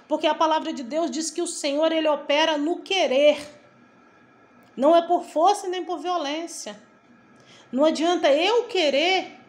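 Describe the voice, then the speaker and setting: A middle-aged woman from Brazil delivers a devotional sermon to the camera. Her voice sits high, and she preaches fervently, with emphatic stresses and repeated phrases. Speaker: evangelical preacher.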